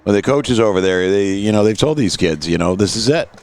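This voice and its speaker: A man's voice: on the low side, lively intonation, a little fast, a little mellow, clear, resonant tone. A man giving easygoing color commentary on a local football game, explaining plays. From Canada. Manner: easygoing, analytical, many fillers.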